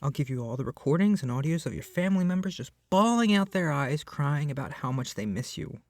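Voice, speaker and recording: A man performing an ASMR roleplay as a doting, awkward, possessive young male kidnapper, speaking softly and hesitantly. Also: on the high side, lively intonation, brisk, creaky, dry recording, clean studio sound. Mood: earnest, reassuring. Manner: soft, hesitant, rambling, often dropping to a whisper. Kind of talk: ASMR roleplay addressed to the listener.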